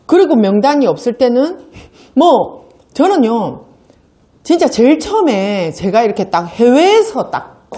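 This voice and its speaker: A woman's voice: fairly high pitch, mellow. A middle-aged woman, giving a motivational seminar talk, telling stories animatedly and acting out quoted voices with frequent laughs. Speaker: sales seminar speaker.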